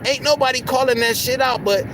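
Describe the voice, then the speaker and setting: A man with a soft, squeaky voice ranting heatedly on a livestream, swearing a lot and stumbling over repeated words. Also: fairly quick, noisy background. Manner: heated, profane, repeats words when worked up. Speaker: livestream host. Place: in a car.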